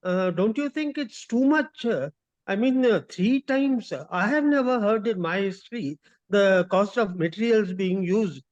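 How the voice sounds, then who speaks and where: A man with an Indian accent asking an investor's questions on a dull conference call line, halting but insistent. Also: high-pitched, lively intonation.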